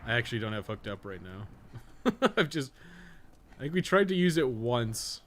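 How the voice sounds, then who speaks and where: A man's voice: medium pitch, sing-song, normal speed, fairly bright tone. A young man chatting casually as he streams a game, rambling and swearing, with an easy laugh. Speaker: game streamer, podcast co-host. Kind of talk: casual chat while gaming live.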